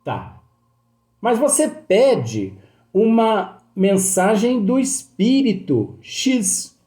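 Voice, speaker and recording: A man with a Brazilian Portuguese accent who teaches in a slow study talk, reading passages aloud and explaining them again with many fillers. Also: sits high, big pitch swings, mellow, echoey room. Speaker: spiritist teacher.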